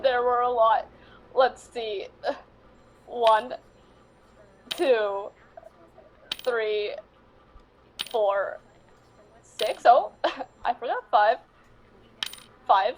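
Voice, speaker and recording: A woman acts a casual, somewhat hesitant radio play character. Her voice is high, and the recording carries faint noise. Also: drawn-out words, pauses often, low-quality recording. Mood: cheerfully grossed out. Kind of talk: amateur radio drama acting.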